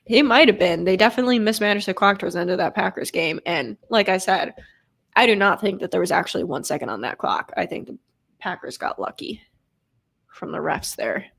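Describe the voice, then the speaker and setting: Animated and brisk, this woman streamer has a mid-range, gravelly, fairly bright voice with a breathy edge. Nose stuffed up from a cold, she gives casual play-by-play of a football game, chatting, swearing casually and responding to chat on a desk streaming microphone.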